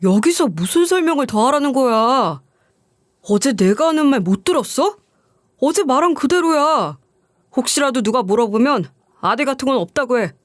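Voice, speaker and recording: A woman's voice: high voice, lively intonation, normal speed, no room sound, studio quality, voice pushed up. A woman voicing a cold young male lawyer who is ashamed of his mother, curt and dismissive.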